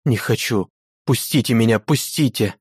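A man's voice: mid-range voice, normal speed, husky, dry recording, studio quality. A man voicing a young nobleman condemned to death, frantic and pleading. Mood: terrified. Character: young desperate nobleman facing execution.

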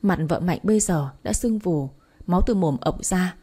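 A woman narrating a family drama story in a steady voice, hosting her own storytelling channel. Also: lowish voice, normal speed, slightly rough.

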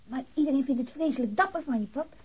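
A caring young daughter in a radio drama. Her voice is high, with a very breathy, husky grain. She is gently probing and coaxing, sometimes hesitant, and full of concern. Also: fast, dull audio. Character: concerned, caring grown daughter visiting her wounded father. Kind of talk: naturalistic radio play acting.

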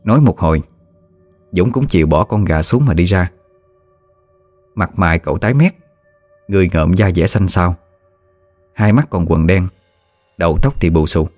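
A man narrating a ghost story in a measured, hushed way. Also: low voice, lively intonation, no echo, faint music behind.

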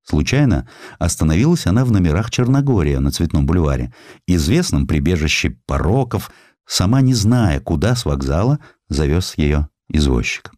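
A man's voice: sits low, moderate pace, dry recording, studio quality. A man reading historical sketches as a dramatic, theatrical audiobook narrator. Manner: expressive, theatrical storytelling.

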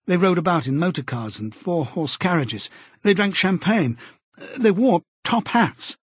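A careful, earnest middle-aged man, voiced by a male narrator. He talks in a measured, tentative way with a slightly husky tone. The sound is close and dry, with no room. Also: sits high, lively intonation, dry recording, voice pushed up, heavily acted. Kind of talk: audiobook character voice.

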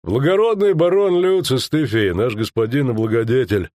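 A man voices a scornful, stubborn mercenary with a black moustache, using coarse, folksy speech. His mid-range voice is pitched above his natural one yet stays close to everyday speech, with a dark tone and normal pace. The recording is dry and studio-clean.

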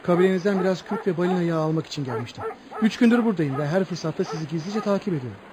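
An actor playing a smitten young tribal stranger with polite, earnest forwardness, in radio theatre. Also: male voice, sits high, animated, racing, a crowd in the background.

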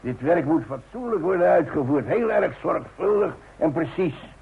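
An actor playing a proud, grumpy old retired tradesman in a radio drama, speaking gruffly and colloquially, with some hesitation. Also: a little high, expressive, normal speed, narrow, tinny audio, exaggerated voice. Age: older. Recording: noisy old radio play recording.

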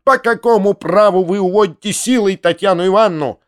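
A man's voice: high-pitched, brisk, voice pushed up, lightly acted. A man reading an audiobook, voicing a furious middle-aged noblewoman who scolds and shrieks. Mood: raging. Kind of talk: audiobook character voice.

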